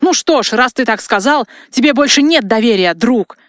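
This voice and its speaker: Lady doing a hotheaded young crown prince guy, loud and raised, dry close sound. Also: fairly high pitch, a little fast, no room sound, lightly acted. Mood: exasperated. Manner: bewildered turning to roaring anger. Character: proud, hot-tempered young male crown prince.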